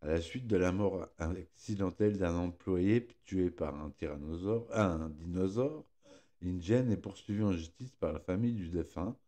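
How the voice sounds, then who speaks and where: A man's voice: low-pitched, moderate pace, dark tone. A man presenting a scripted film review, reading aloud with slightly impeded articulation and occasional stumbles that he corrects. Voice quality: slightly impeded articulation from a fresh tongue piercing. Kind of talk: scripted narration read aloud, film chronicle.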